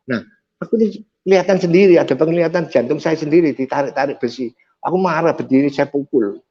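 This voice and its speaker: A man's voice: medium pitch, mellow. A man telling his personal faith testimony as a vivid storyteller, acting out the dialogue and growing intense at the dramatic moments. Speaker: testimony speaker. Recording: dull lo-fi recording.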